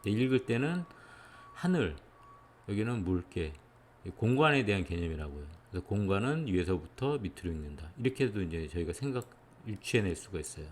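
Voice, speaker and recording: A man giving an explanatory lecture, patiently going step by step and often pausing to check in with his listeners. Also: low voice, sing-song, slight background noise.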